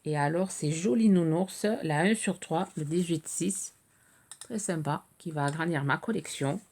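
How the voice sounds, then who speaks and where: A woman's voice: low-pitched, measured pace, a little mellow. A middle-aged woman casually showing crafts she got in the mail, hesitant, with many fillers and a slightly cracking voice. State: voice cracking a little. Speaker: craft video host. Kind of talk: casual show-and-tell of mail.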